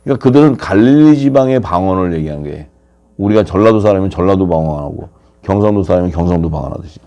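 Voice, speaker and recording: A man preaching a sermon, lively and questioning his listeners, his pitch swinging up and down. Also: racing, muffled recording. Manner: animated, asks the audience questions, pitch swings widely.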